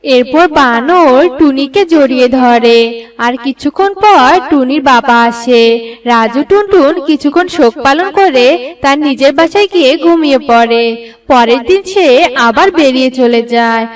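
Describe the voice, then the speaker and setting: A woman's voice: high voice, expressive, moderate pace, distant mic. A woman reading scripted storybook narration for a children's cartoon.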